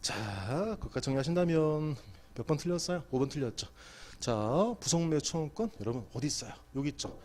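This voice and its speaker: A man's voice: on the high side, expressive, a little fast, a little mellow. A middle-aged man giving an exam prep law lecture, quizzing students and answering his own questions.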